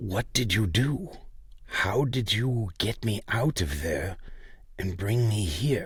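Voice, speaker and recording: A man puts on a raspy character voice, fairly low in pitch. He talks at a fairly slow pace with lively intonation. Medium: actual play. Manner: earnest, questioning.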